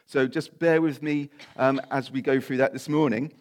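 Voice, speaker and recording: A man preaching a sermon and reading scripture aloud, his voice croaky and a little nasal from a cold, with informal asides. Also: medium pitch, fairly even intonation, moderate pace.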